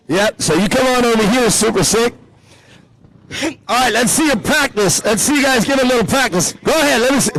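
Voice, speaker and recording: A man announcing live at an outdoor off-road race track, energetic and joking as he hypes the crowd. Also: high-pitched, rough recording.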